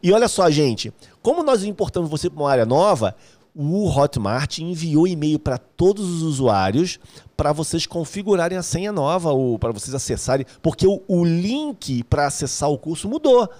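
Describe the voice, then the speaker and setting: Male live-stream host, slightly high and very animated voice, slangy and joking with the chat. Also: normal speed. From Rio de Janeiro, Brazil. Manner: energetic, slangy, joking, calls viewers "meu brother". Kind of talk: casual live-stream chat reading viewer comments.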